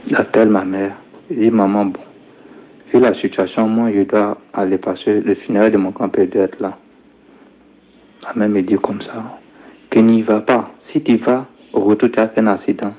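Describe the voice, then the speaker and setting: A young man telling a personal testimony in a soft-spoken way, dropping his voice low when he quotes his grandfather. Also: flat delivery, normal speed. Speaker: storyteller recounting his life. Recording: dull lo-fi recording.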